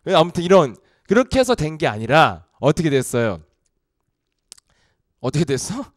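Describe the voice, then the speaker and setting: Male pastor, middle-aged, informal youth sermon; animated, acts out quotes, fairly high voice. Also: moderate pace, no room sound, clean studio sound.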